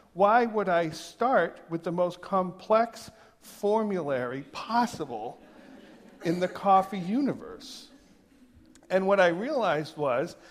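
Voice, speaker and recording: A man from New Hampshire, a pastor who gives a chatty sermon full of personal stories, and he slows down to read quotations. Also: high-pitched. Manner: conversational and joking, reads quotes slowly. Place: large church sanctuary. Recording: long reverb of a big hall.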